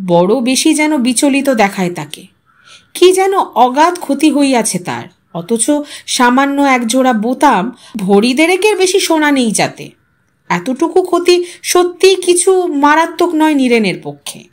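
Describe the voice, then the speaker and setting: A woman storyteller narrates literary fiction. Her voice is high and swings widely in pitch, giving the prose an expressive, dramatic shape. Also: measured pace.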